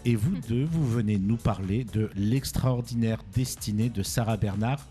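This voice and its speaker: A male radio presenter talks casually in a mellow voice. He teases, wanders and corrects himself as he goes, with light music underneath. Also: on the low side, moderate pace. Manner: rambling, self-correcting, teasing. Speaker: radio host.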